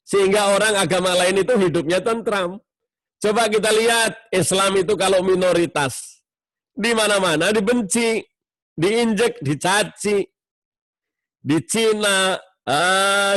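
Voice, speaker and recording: A man giving a sermon to a mosque study circle, explaining with warmth and acting out tones of voice in his examples. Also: high voice, no echo.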